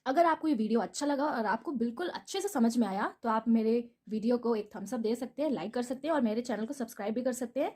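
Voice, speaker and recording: A woman's voice: on the high side, fast, few pauses, darkish tone. A woman teaching Hindi grammar in a video lesson, patiently repeating memory tricks and asking rhetorical questions before answering them.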